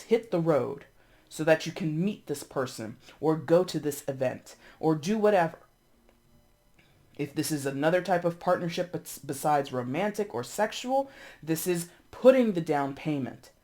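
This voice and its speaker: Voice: mid-range voice, mellow. A tarot reader in their thirties, congested and sniffling, giving a casual, chatty reading with blunt swearing and emphatic repetition.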